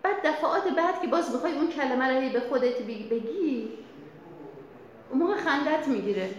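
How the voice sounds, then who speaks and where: A woman psychologist leading a workshop, explaining in a lively, chatty way to the audience. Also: high voice, muffled recording, a little hiss or hum. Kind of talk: workshop lecture. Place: workshop room. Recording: very echoey room.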